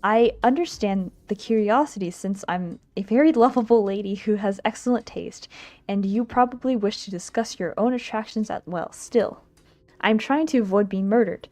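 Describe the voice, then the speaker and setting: A woman streamer reading a visual novel aloud on a livestream, expressive and giggly, stumbling over lines and making asides to chat. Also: medium pitch, normal speed. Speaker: streamer, VTuber. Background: game music.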